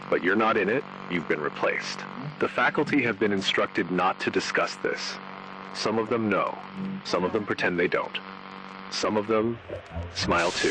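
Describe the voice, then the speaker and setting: A man playing an ominous announcer, reading a school safety bulletin for an analog horror video in a grave, measured way. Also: deep voice, noisy background, close to an everyday voice. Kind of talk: scripted analog horror PSA narration.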